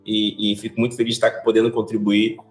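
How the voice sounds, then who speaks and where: A man's voice: fairly low pitch, fast, roomy sound, faint music behind. A man in his forties from Salvador, Brazil, a finance educator, talking animatedly with his hands as a guest in a video-call interview. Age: 40s. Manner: animated, gestures with both hands while explaining. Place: office with large windows.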